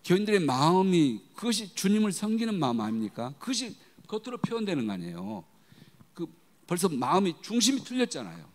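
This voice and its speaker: A middle-aged guest pastor preaches a sermon in a church sanctuary, telling stories with animation and acting out quoted voices through big pitch jumps. His delivery is brisk, and the recording carries long hall reverb.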